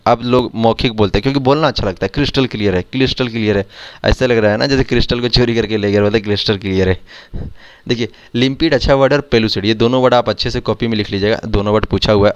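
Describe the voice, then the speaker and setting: A lower-voiced man runs through English words for exam students, asking a question about each word and answering it himself. He talks quickly, and his voice sounds close and dry, with no room echo. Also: clear, resonant tone. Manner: explains words with repeated quiz questions. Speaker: English teacher for exam prep. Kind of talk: Hindi vocabulary lesson over screen.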